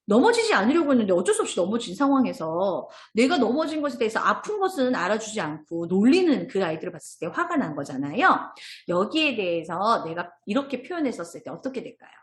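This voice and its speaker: A woman giving an expressive online training lecture to teachers, acting out child voices as she explains. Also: mid-range voice, a little fast, echoey room. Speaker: early childhood curriculum trainer. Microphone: video call.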